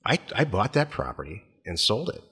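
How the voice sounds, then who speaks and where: A man's voice: on the low side, very animated, moderate pace, pushed and bright, breathy edge, in a large hall. A middle-aged American man co-hosting a podcast, chatting casually about business in a blunt, plain-spoken way. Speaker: podcast co-host.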